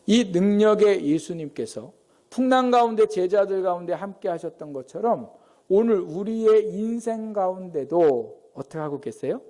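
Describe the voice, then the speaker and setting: A middle-aged male pastor preaching a sermon in a lively way, often asking the congregation questions. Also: sits high, moderate pace.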